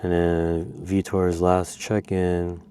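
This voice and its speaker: A man with a very low voice talks casually to the camera about his athletes, relaxed and conversational, sometimes trailing off quietly. A faint hiss sits behind him. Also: slow. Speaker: bodybuilding coach and vlogger. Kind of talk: casual vlog talk.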